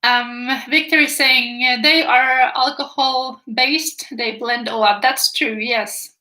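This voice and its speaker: A woman's voice: on the high side, fairly even intonation, takes it slowly, bright, forceful tone, echoey room, poor audio. Finnish-accented woman chatting while painting. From Finland. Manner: chatty, reads viewer comments aloud. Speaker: art teacher streaming live. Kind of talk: casual chat while painting.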